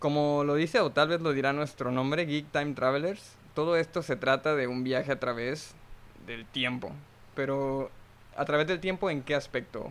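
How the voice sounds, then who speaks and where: With an ordinary speaking voice, a man talks at a fairly high pitch with fairly even intonation. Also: moderate pace. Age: 20s. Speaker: podcast co-host. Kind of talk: casual chat.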